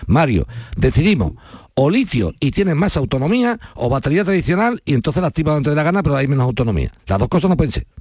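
A man with an Andalusian accent hosting a live radio call-in show, insistent and lecturing, dropping low when he scolds. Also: sing-song, fast, darkish tone, husky, dry recording, clean studio sound. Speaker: radio host. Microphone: studio microphone.

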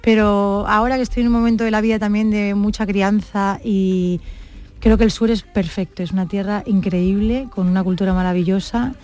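A woman's voice: medium pitch, steady tone, moderate pace. A woman in her thirties from Barcelona, a singer answering radio interview questions in a thoughtful way, often ending with a questioning tag. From Barcelona, Spain. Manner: thoughtful, warm, frequent "¿no?" tags. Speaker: singer guest.

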